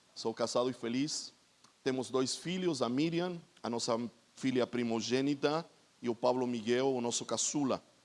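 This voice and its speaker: A man at a moderate pace, with ordinary pitch variation and long, frequent pauses. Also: medium pitch for a man. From Chile. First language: Spanish (speaking Portuguese). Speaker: pastor. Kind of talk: sermon.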